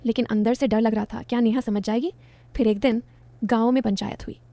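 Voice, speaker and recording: A woman's voice: a little high, fairly even intonation, a little fast, warm tone, dry recording. A woman narrating a story in the first person, in a confiding, dramatic way.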